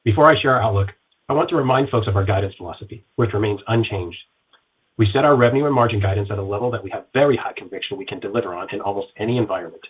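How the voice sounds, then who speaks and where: A man's voice: on the low side, very fast, slightly rough, narrow, tinny audio. A man in a company finance role reading scripted earnings guidance in a formal, businesslike way.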